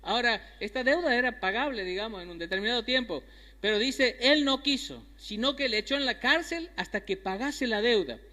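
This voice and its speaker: A man's voice: very high voice, lively intonation, a little fast, bright, forceful tone. A man preaching a sermon, emphatic, repeating key phrases and asking his listeners questions. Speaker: pastor. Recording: long hall reverb.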